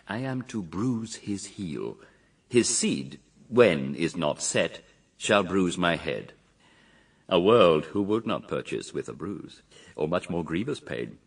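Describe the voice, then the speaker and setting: A man's voice: gravelly, husky, recorded from a distance, exaggerated voice. An actor playing Satan, a proud fallen angel addressing his legions in grandiose, declamatory verse for a radio drama. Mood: sly, proud. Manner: grandiose, declamatory, swinging from booming cries to hushed murmurs.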